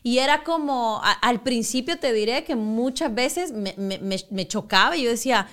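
A young woman, a sports broadcaster, telling stories in a casual interview, animated and acting out the voices she quotes. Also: fairly high pitch, moderate pace. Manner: animated, acts out quoted voices, frequent restarts.

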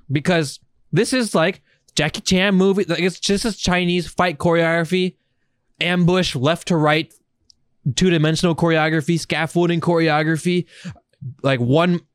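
A man's voice: fairly high pitch, clean tone, dry recording, clean studio sound. A man podcasting in a casual, profane chat, rambling and enthusiastic with plenty of slang. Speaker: podcast host.

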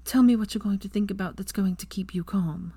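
A woman's voice: a little high, expressive, brisk, no echo, pitched above the performer's own voice. Woman voicing a determined young witch. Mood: teasing. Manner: bright, raised delivery against the narration.

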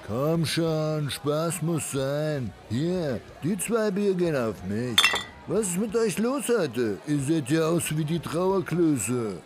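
A man's voice: fairly high pitch, expressive, slow pace, over music. A man voicing an easygoing, joking pub landlord in an audio drama. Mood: teasing. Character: jovial, teasing pub landlord, an old pal.

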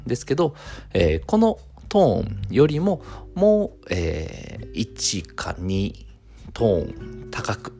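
A man talks through a solo radio monologue. His voice sits fairly low but rises and falls a lot. He keeps a calm, measured pace full of fillers, over soft guitar music in the background. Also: gravelly. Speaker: clinic owner and radio host.

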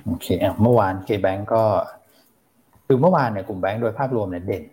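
A man with a somewhat low voice co-hosts a market chat. He is relaxed and often chimes in with short agreement. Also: fairly quick, a little hiss or hum. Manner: frequent agreeing backchannels, relaxed. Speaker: co-host. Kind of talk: casual market talk show.

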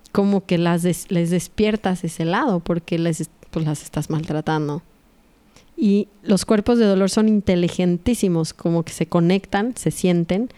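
A woman in her thirties with a Mexican accent, telling a spiritual story to her audience in a casual, animated, confiding way. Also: fairly low pitch, smooth. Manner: animated, confiding, often asks "right?".

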